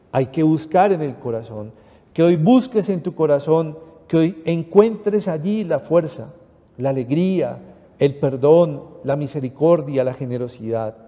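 Dark-voiced Panamanian priest preaching. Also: male voice, fairly high pitch, long reverb tail. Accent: Panamanian Spanish. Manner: earnest, repeatedly addressing listeners as brothers. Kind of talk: sermon.

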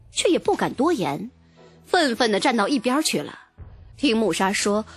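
Woman reading a dramatic audiobook, high husky voice, soft music behind. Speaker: audiobook narrator. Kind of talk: dramatic first-person novel narration, scripted.

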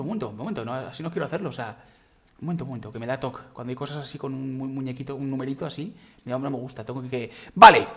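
A man with a Spain Spanish accent giving excitable, rambling let's-play commentary while trying out a game, full of exclamations. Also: medium pitch, breathy edge. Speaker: gaming youtuber.

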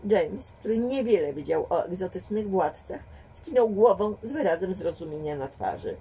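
A woman narrating a crime story in a calm, measured way, voicing the characters as she goes. Her tone is husky and mellow. The simple home recording places her at some distance from the mic. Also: on the low side. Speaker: audiobook reader. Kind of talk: fireside reading of a crime story.

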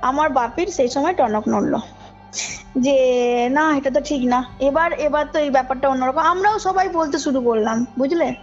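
A woman tells her story in a high voice. She speaks informally and with emphasis, checking that the listener follows. The call audio is muffled, with music clearly playing behind her. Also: normal speed. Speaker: caller telling a personal ghost story. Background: background music.

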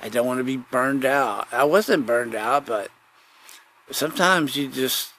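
A man's voice: mid-range voice, animated, unhurried, pushed and bright. A man hosting a podcast with a rambling comic monologue, often repeating his phrases. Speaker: podcast host. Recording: noticeable background noise.

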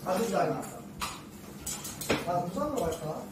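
A young man streaming at a restaurant dinner, joking loudly and swearing freely, picked up by a far camera. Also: high voice, very animated, normal speed, very noisy. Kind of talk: casual chat at a dinner. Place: restaurant private room, indoors. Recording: echoey room from far off, crowd chatter.

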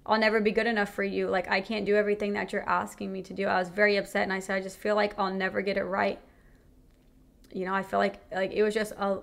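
A woman's voice: medium pitch, gravelly. A young woman giving an earnest personal faith testimony, speaking frankly about her own experiences.

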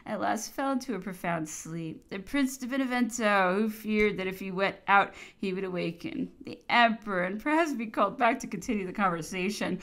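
A woman reading a memoir aloud in a measured narration, sometimes laughing with amusement. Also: mid-range voice, a bit bright. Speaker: audiobook reader.

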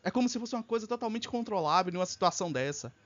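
A man's voice: sits high, expressive, very fast, fairly bright tone, lo-fi sound. A man hosting a live reaction stream, arguing heatedly and swearing as he reacts to a video. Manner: fiery, profane, argumentative.

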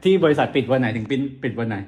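A man hosting a casual vlog house tour, excitable and teasing, exclaiming often. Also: medium pitch, very fast. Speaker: vlog host touring a house. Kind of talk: casual chat. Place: indoors in a house.

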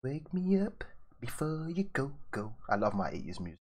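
A man's voice: medium pitch, very animated, moderate pace, a little mellow, breathy edge. A young man with a London accent, chatting casually with viewers in a live stream as he draws at his desk. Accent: London English. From raised in London, England. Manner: loose and chatty, answering viewers. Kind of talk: casual live-stream chat while drawing. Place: indoors at a drawing desk.

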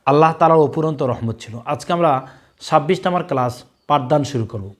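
Man, religious teacher, lesson for young pupils, slightly high voice, slow repeated letter drills. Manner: drills letters slowly and loudly, repeating each several times. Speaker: Quran and tajweed teacher.

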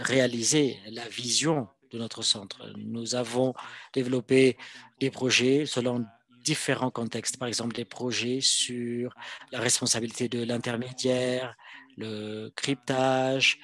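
A man interpreting a formal presentation live, in halting phrases that come piece by piece. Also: medium pitch, a bit bright. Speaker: simultaneous interpreter.

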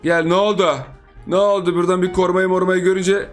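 A man's voice: high voice, little pitch movement, fast, faint music behind. A young man giving chatty live commentary on a game he is playing, repeating himself and teasing the other players. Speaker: gaming YouTuber.

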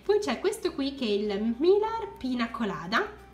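A young woman who runs a crafts channel, gushing with excitement as she unboxes supplies for viewers. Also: high-pitched, measured pace, roomy sound. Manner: gushing, keeps exclaiming in delight.

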